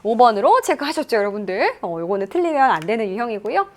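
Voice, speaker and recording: A woman English teacher walks students through an exam passage, reading English lines slowly before explaining them. Her fairly high voice swoops up and down with animated expression. She sounds like she is lecturing in a studio. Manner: lively, reads English lines slowly then explains in Korean.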